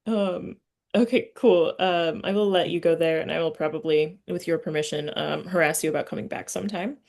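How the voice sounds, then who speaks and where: A woman hosting a podcast, talking in an informal, halting, slangy way through chat and announcements. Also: lowish voice, creaky, a little mellow. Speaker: podcast host. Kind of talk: casual chatty interview and announcements.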